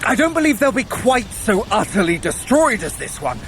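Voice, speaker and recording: An actor playing a sly, eloquent trickster god in an audio drama, wry, articulate and theatrical. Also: male voice, high voice, sing-song, normal speed, fairly bright tone, soft background music, full character voice, low-quality recording. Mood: wry foreboding.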